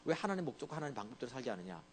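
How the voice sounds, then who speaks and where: A man's voice: medium pitch, sing-song, very fast, a little hiss or hum. A male pastor preaching a sermon in a conversational way, often asking the congregation to agree with him.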